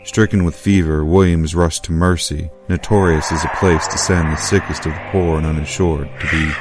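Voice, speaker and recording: A man with an extremely deep voice narrates a horror trailer in an ominous, dramatic read. Music sits clearly behind him. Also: fairly even intonation, brisk.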